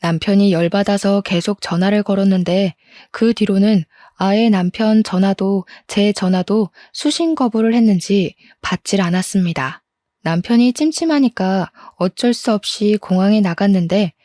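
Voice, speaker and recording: A woman narrating a personal story in the first person, chatty and confiding, with an exasperated edge. Her voice is mellow and warm, recorded close and dry with no room sound. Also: mid-range voice, dry recording. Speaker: storyteller reading a listener's story.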